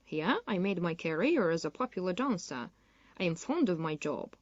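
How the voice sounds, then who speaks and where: A woman playing a dancer interviewed for a magazine in a scripted listening-exam dialogue, speaking in a clear, measured way. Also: lowish voice, very animated, no room sound, dull audio. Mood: polite. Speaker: interviewee in a textbook listening recording.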